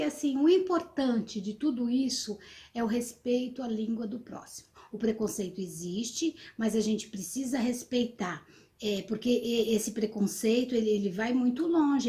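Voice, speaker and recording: Speaking to her students, a middle-aged interviewee teacher from São Vicente, Brazil, explains patiently but with hesitation, leaning on fillers and frequent restarts. Her voice is high, with a darkish quality.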